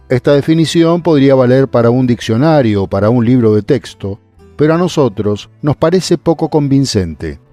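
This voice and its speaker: Over music in the background, a man speaks with lively intonation and very even loudness, the sound dry and close with no echo. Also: medium pitch for a man, moderate pace. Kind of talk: documentary narration.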